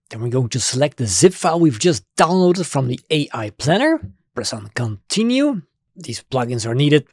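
A man in his thirties whose first language is Dutch, hosting a screen-recorded software tutorial with lively enthusiasm, on a studio microphone in a home studio. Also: husky, no room sound. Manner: enthusiastic, quick swings between excited highs and low asides. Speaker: web design tutorial host. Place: home studio room with colored lights. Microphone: studio mic on stand in front.

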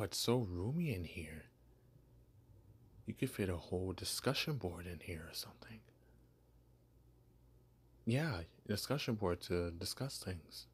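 A man's voice: sits low, slightly rough, heavily acted. A man playing a stammering shy vampire. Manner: stammering, flustered, apologetic. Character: shy clueless young male vampire posing as human. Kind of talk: ASMR audio roleplay.

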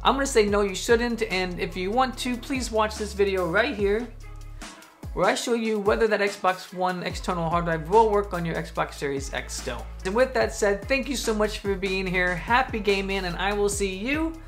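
A man in his thirties hosting a gaming tutorial vlog, talking to the camera from a room at home in a friendly, energetic way. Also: high voice, normal speed. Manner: friendly, energetic, addresses viewers directly. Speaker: gaming tech YouTuber host. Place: home room with a TV and a lamp, indoors. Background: faint background music.

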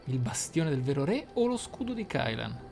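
A man commentating his game playthrough, thinking aloud in a deliberate, theatrical way with dramatic pauses. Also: mid-range voice, very animated, gravelly. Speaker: gaming YouTuber, player. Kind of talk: game playthrough commentary with role-play musing. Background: game music.

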